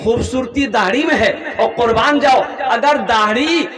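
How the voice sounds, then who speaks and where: High-voiced preacher booming in a hall. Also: male voice, measured pace, crowd noise. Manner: animated, rising to shouts for emphasis. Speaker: Islamic preacher. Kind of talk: storytelling sermon to a gathering. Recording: echoey hall, mic far off.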